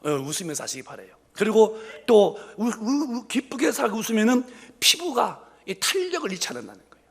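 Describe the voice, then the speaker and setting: Animated, gravelly-voiced pastor in his fifties. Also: high voice, brisk. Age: 50s. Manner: animated, joking, rhetorical questions to the congregation. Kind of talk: humorous sermon. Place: church sanctuary.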